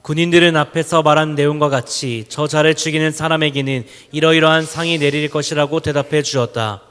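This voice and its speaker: A man reading a passage of scripture aloud, in a steady, even manner. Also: fairly high pitch, a little fast, clear, resonant tone. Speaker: scripture reader. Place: church education hall. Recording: reverberant church hall.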